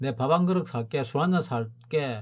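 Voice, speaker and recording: Somewhat breathy and fairly high-pitched, a man speaks at a very slow pace with lively intonation on a very clean recording with a silent background. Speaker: stock market YouTuber. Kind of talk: casual investment talk monologue.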